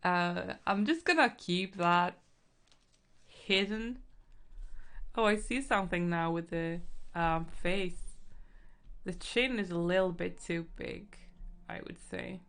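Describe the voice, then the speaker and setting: A young woman streaming while she paints, chatting casually and thinking out loud, with lots of fillers and giggles. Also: fairly low pitch, slow pace, pauses often. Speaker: artist streaming a painting session. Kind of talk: casual stream-of-consciousness chat. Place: indoors at home. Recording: faint background music.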